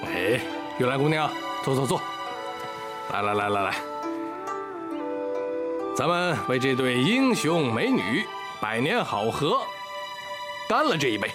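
An actor playing a genial, scheming official in a period drama, speaking in an officious, coaxing and effusive way. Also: male voice, medium pitch, sing-song, a little slow, pauses often. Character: scheming genial official, male army inspector matchmaking over wine. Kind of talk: Chinese period drama acting. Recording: loud background music.

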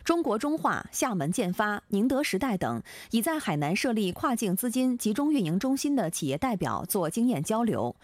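A woman's voice: mid-range voice, sing-song, normal speed, few pauses, a little mellow, dry recording. A woman delivering scripted news narration in a formal, precisely enunciated broadcast manner.

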